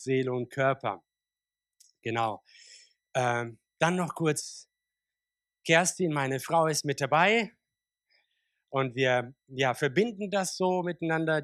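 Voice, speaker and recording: Kazakhstan-born pastor preaching conversationally. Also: male voice, medium pitch, fairly bright tone, no room sound, clean studio sound. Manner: conversational, with frequent fillers and restarts. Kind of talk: sermon. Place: church service.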